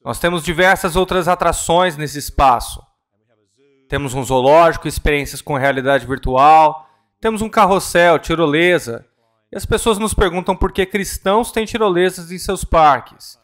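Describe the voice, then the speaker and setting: A man interpreting a ministry talk at a church conference, earnest and measured, sometimes correcting himself mid-word. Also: on the high side, a bit bright.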